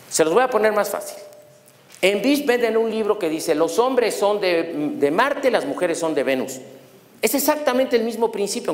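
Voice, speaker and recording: Man lecturing in an echoey hall. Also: sits high. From Mexico. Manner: animated, asks the audience rhetorical questions. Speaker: law lecturer. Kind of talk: university lecture on human rights. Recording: echoey hall with long reverb.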